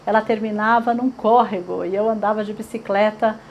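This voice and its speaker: A woman's voice: medium pitch, fairly even intonation, fairly quick, a little mellow, muffled recording, a little hiss or hum. A woman in her forties from São Paulo with a paulistano accent, chatting in an oral history interview with many fillers and tag questions. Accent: Paulistano Brazilian Portuguese. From São Paulo, Brazil.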